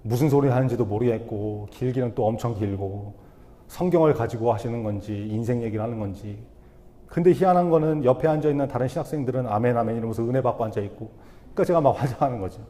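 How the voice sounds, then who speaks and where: A young man preaches in a chatty, humorous way and talks straight to his listeners. His voice is mellow and mid-pitched. It rings with the long reverb of a church sanctuary. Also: fast talker. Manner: conversational, humorous, addresses the congregation directly. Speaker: youth ministry preacher. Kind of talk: sermon.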